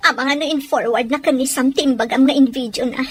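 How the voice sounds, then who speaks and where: A woman playing an emotional young woman in love in a serial drama, with drawn-out, expressive delivery. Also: sits high, a little hiss or hum, close to an everyday voice. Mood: hurt, pleading. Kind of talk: Ilocano serial drama acting.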